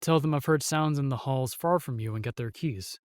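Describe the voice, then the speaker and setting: A man playing a steadfast, protective royal guard, formal and measured, in a fantasy audio drama. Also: medium pitch, no room sound, studio quality, lightly acted. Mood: calm, resolute.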